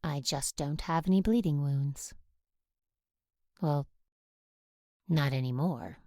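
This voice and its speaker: A woman playing a stern, controlling Catholic nun who teaches, speaking in a measured, formal way in an audio drama. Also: low voice, warm tone, dry recording, studio quality. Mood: probing, earnest.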